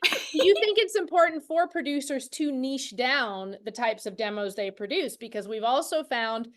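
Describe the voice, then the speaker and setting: High-pitched woman hosting an interview. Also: animated, moderate pace, fairly bright tone. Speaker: podcast host interviewing guests. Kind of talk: conversational interview.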